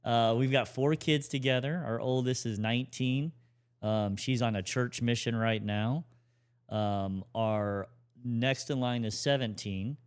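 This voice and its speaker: A man in his forties co-hosting a family podcast, talking in a relaxed, rambling way with restarts. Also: medium pitch, a little slow, clear, resonant tone. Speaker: podcast co-host. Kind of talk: casual conversational talk.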